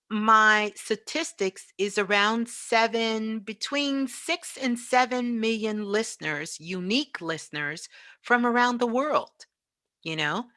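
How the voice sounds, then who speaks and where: Bright-voiced middle-aged woman, close dry sound. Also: medium pitch, no echo. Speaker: guest, online radio show host. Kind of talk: casual spiritual interview talk.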